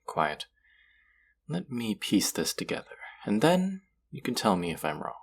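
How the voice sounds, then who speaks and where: An actor playing a stern, haughty god of the underworld in an audio roleplay, speaking formally with an exasperated, grudging manner. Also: male voice, fairly low pitch, wildly swooping pitch, unhurried, creaky, slightly rough, heavily acted. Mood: measured, deducing. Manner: imperious, exasperated, formal speech with sighs. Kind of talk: scripted character audio roleplay.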